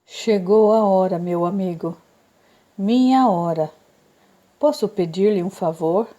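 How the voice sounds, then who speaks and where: A woman voicing a dying older man in an audiobook, speaking in a soft, faltering murmur. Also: mid-range voice, slow pace, lightly acted. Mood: faint.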